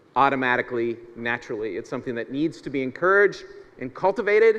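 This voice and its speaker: The speaker talks at a fairly quick pace with an Ohio accent. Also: man. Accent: American (Ohio). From US Midwest, Ohio near Cincinnati. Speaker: keynote speaker, startup consultant. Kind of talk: keynote speech. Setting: stage with audience. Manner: halting, with fillers.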